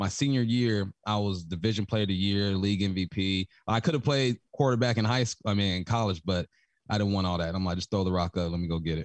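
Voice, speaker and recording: A man talks at a fairly quick pace in an American accent, his pitch fairly low. It is an ordinary speaking voice, and the sound is dry and close with no echo. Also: ordinary pitch variation. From Los Angeles. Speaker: former football player and sports broadcaster. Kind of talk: casual interview chat.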